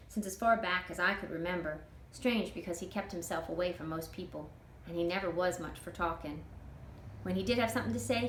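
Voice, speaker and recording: Lowish-voiced woman storyteller in echoey room. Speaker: author reading her novel aloud. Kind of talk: expressive scripted story narration for children. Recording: roomy echo, clear background noise.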